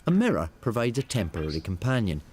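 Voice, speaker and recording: A man's voice: lowish voice, sing-song, quick pace. A man narrating a scripted nature documentary. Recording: noticeable background noise.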